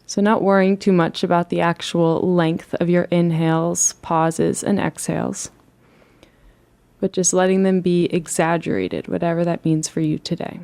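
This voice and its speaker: Soothing, mellow, lower-pitched woman guiding relaxation. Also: flat delivery. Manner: soothing, unhurried, gentle instructing. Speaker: meditation and yoga teacher. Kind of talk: guided relaxation meditation.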